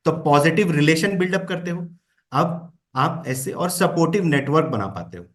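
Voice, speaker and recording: Coaching man with a higher voice. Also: lively intonation, normal speed, a bit bright. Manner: coaching, with frequent "है ना?" check-ins; mixes English phrases into Hindi. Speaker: trainer. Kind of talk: motivational talk to an audience.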